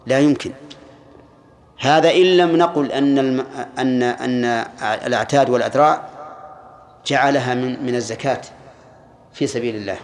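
An older man giving a classroom lesson on Islamic law, speaking in measured phrases and questioning his students. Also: mid-range voice, a little hiss or hum. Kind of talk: classroom lecture on hadith.

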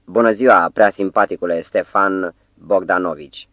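A man's voice: deep voice, a bit bright, no echo, muffled recording. A man voicing a smiling foreign stranger in black. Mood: smugly courteous. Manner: slow, heavy speech with a faint foreign lilt.

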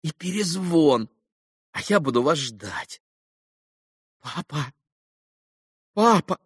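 A man's voice: a little high, animated, a little slow, no room sound, studio quality, pitched above the performer's own voice. A man voicing a frail sick young boy who pleads in a trembling, tearful voice, in an audiobook. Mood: pleading. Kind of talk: audiobook character reading.

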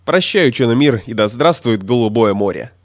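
A man voicing a proud, mocking male Spanish gentleman who speaks slowly and haughtily. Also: mid-range voice, animated, no echo, lightly acted. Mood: haughty.

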